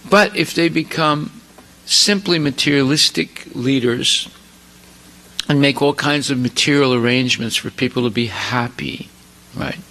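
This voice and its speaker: A man's voice: mid-range voice, measured pace, sharp tone, poor audio. A man giving a scripture lecture, emphatic and full of rhetorical questions.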